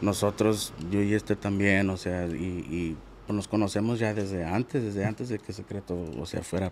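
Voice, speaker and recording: A man speaks at a fairly low pitch and a moderate pace. His intonation stays fairly even over light background noise. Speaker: band musician; interview guest. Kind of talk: casual interview chat. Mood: relaxed, conversational. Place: studio. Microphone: studio mic.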